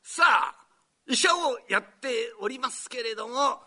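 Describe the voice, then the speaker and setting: An older man from Japan giving a formal, theatrical storytelling performance in a hall, breaking into shouted character voices. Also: extremely high pitch, animated, measured pace, noisy background. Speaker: rakugo storyteller.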